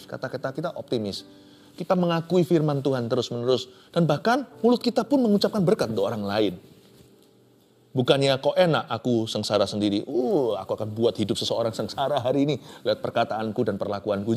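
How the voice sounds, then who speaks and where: Impassioned male preacher over soft music. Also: on the high side. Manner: dramatic, swings from loud cries to near whispers; mixes English phrases into his preaching. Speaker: pastor. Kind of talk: sermon.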